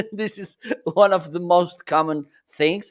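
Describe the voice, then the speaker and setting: A man speaks with a Portuguese accent. His pitch is high. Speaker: live streaming co-host. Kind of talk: casual podcast chat. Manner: halting with fillers.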